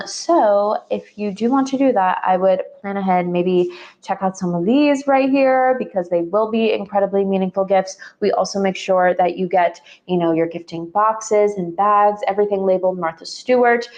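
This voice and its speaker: A young woman hosting a live jewelry shopping stream, chatty and gushing, with many fillers as she talks. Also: medium pitch. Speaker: shopping livestream host.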